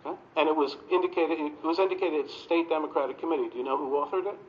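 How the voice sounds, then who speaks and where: A man's voice: fairly high pitch, racing. Insistent man pressing a town board. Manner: pointed, insistent questioning. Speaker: resident addressing a town board. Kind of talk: public comment at a meeting. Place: town hall meeting room. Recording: muffled lo-fi phone video.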